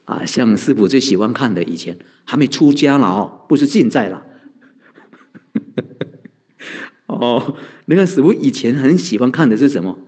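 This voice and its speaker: A man's voice: mid-range voice, animated, unhurried, darkish tone, husky. A man, a Buddhist monk giving a conversational dharma talk, asking rhetorical questions and answering them, chuckling often. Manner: chuckles often, heavy use of sentence-end particles.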